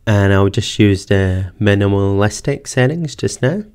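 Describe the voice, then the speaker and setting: A man narrating a screen-recorded computer tutorial, calmly explaining each step in order. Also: on the low side, unhurried, smooth. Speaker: tech tutorial presenter. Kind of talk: screen-recorded software walkthrough. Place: voice-over for screen capture.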